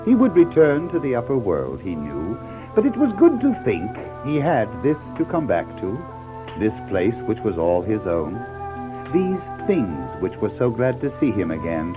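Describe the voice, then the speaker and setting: A man's voice: fairly low pitch, huge pitch swings, a little slow, music in the background. A man narrating a children's story from a script.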